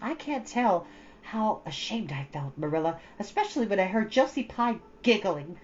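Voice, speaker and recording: A woman's voice: mid-range voice, sing-song, normal speed, lo-fi sound, a little hiss or hum, close to an everyday voice. A woman voicing a chatty, earnest thirteen-year-old girl from a storybook, rambling with solemn drama. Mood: flustered. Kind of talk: storybook character reading.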